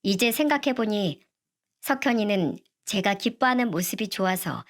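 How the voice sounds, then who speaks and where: A middle-aged woman narrating a first-person family story in a steady, even manner. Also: medium pitch, normal speed.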